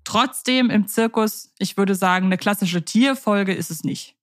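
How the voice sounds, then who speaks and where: A woman co-hosts a casual podcast in an easy, conversational tone. Her voice sits in a middle pitch. She talks in a measured way and often stops to rephrase her thoughts mid-sentence. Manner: thoughtful, self-correcting, measured. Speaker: podcast co-host. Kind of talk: casual chat about radio plays.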